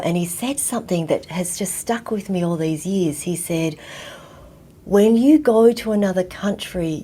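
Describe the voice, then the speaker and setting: Gentle, soft-spoken woman. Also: on the low side. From Vietnam, raised in Australia. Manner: slow, gentle, often drops to a near whisper. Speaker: guest teacher. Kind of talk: reflective talk.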